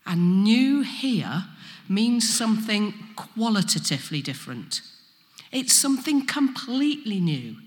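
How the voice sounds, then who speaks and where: A woman preaches in an East Midlands accent with distinctly flat vowels. Her delivery is unhurried and lively in pitch, explaining each point and leaning on key words. The sound carries a long hall reverb. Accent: East Midlands English, Leicestershire. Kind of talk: sermon.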